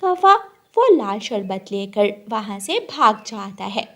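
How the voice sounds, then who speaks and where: A woman's voice: medium pitch, very animated, slow pace, fairly bright tone. A woman narrating a children's cartoon story and ending with a moral and a request to subscribe.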